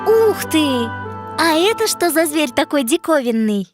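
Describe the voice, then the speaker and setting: A woman voicing a curious, excitable child in an educational cartoon, wide-eyed and full of questions. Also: high-pitched, measured pace, over music. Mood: curious, amazed. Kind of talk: scripted educational cartoon dialogue.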